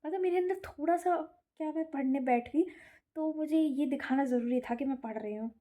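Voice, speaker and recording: A young woman talks casually into her camera for a daily vlog. Her voice sits a little high, and she is chatty and self-mocking. She drops English words into her sentences. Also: fairly quick, mellow. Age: young adult. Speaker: vlogger.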